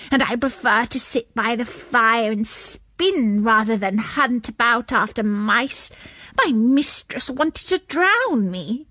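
A woman voicing an aging, mournful cat in a children's story, plaintive and drawn-out. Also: fairly high pitch, bright, forceful tone, no echo, heavily acted. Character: aging male cat, mournful, fearful for his neck.

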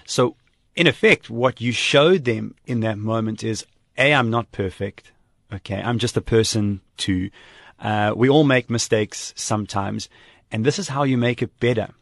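A man with a fairly low voice speaks calmly and thoughtfully, working through each idea with simple examples as a parenting coach. The sound is dry and close, with no room around it. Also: normal speed, gravelly, dry recording. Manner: calm, reflective, explaining with examples. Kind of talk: conversational podcast chat.

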